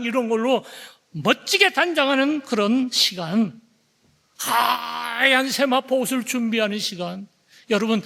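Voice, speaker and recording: A man in his seventies preaching a sermon as pastor, telling a story with animated flair and tagging lines with a questioning "eh?". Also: very high-pitched. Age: 70s. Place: church sanctuary. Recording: long church hall reverb.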